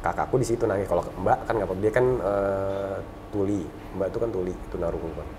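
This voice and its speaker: A man in his thirties, a talk show guest, telling a personal story in a relaxed, reflective way and going soft and low on sad memories. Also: fast, noisy background. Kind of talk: casual conversational storytelling.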